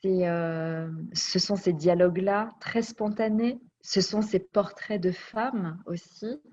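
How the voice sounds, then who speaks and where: A woman's voice: mid-range voice, steady tone, takes it slowly, a little mellow, slight background noise. A woman telling her life story as an interview guest. She speaks reflectively and searches for her words. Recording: dull lo-fi recording.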